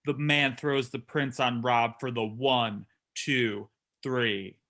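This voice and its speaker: Slow-paced, bright-voiced male narrator. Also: medium pitch, fairly even intonation. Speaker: narrator reading stage directions. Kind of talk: scripted narration.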